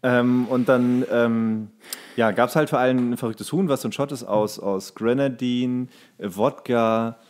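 A man's voice: medium pitch, steady tone, measured pace, a little mellow. A man co-hosting a podcast, telling anecdotes in a loose, colloquial way. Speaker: podcast co-host. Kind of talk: casual chat, anecdotes.

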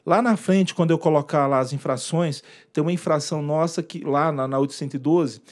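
Man, lecturer, informal presentation, animated, acts out dialogue, fairly high voice. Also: brisk. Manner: animated, acts out quoted dialogue, points at slides. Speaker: lecturer on workplace harassment law.

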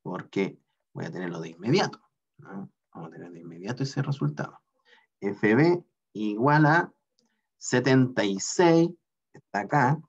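A male teacher lecturing slowly and patiently through a mechanics problem, pausing often to check in with his students. His voice sits at an ordinary middle pitch. The sound is muffled and lo-fi, like an online class picked up on a computer mic. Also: husky. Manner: explains step by step, checks in with a questioning "ah?".

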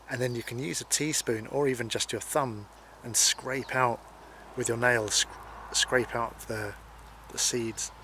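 A man in his forties from Scotland, calmly explaining wild plants as a foraging instructor, speaking to camera outdoors by hedges. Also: mid-range voice. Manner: calm, explanatory, unhurried. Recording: faint outdoor noise.

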